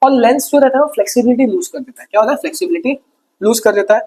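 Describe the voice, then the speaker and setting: Husky-voiced male science teacher. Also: very high voice, very fast, rough recording. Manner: lively, calls students "bhai", asks and answers own questions. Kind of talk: exam revision lesson.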